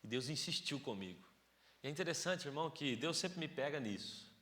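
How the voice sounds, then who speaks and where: A middle-aged Brazilian pastor preaches in a bright, forceful voice. He tells his story like a storyteller, dropping to a near murmur and then surging back up loud and passionate. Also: on the high side, lively intonation, fairly quick. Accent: Brazilian Portuguese. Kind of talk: sermon. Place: church sanctuary.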